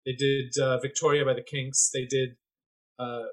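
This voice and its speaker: A man's voice: medium pitch, flat delivery, moderate pace, rough recording. A man guest on a music podcast, rambling and searching for titles in casual chat.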